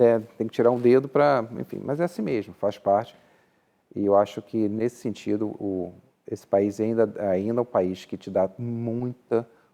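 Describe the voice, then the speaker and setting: A man's medium-pitched voice, dark and mellow in tone, with ordinary pitch variation and a moderate pace. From Brazil, Rio de Janeiro. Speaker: immigration lawyer. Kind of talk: podcast interview. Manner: halting, many repetitions.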